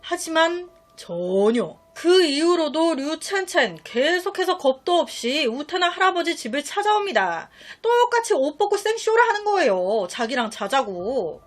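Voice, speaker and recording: A woman's voice: sits high, very animated, measured pace, hardly any pauses, soft background music. A woman telling a crime story in a chatty way, with rhetorical questions and asides on what happens.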